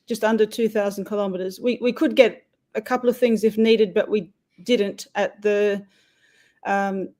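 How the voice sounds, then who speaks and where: A woman recounting a long cycling expedition in a casual interview, rambling with many pauses and restarts. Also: medium pitch, a little mellow. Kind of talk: casual interview over a call.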